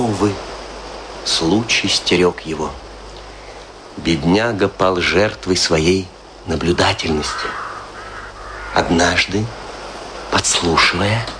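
A chatty, morbidly wry man muses about death and graves in a theatrical radio play monologue, telling his story conversationally in Russian. His low male voice swoops through dramatic swings, full of irony and rhetorical questions, against a noisy background.

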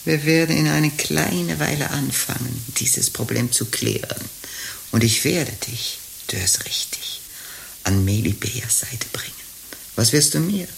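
Celestina, a gravelly old Gypsy procuress. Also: female voice, very deep voice, a little slow, a little hiss or hum, exaggerated voice, rough recording. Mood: conspiratorial. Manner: teasing, theatrical, scolding. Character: sly old Gypsy procuress queen, earthy and mocking. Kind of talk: radio drama acting.

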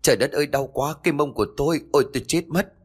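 A man's voice: fairly low pitch, animated, normal speed. A man voicing a sly, cowardly young lodger who whines and pleads in a spoken ghost story. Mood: wailing. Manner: whiny, pleading.

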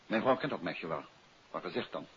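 A man acting a self-assured, courteous detective in a 1950s radio mystery serial, polite, brisk and composed. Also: sits low, animated, fairly bright tone. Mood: composed, businesslike. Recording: hissy, muffled old radio recording.

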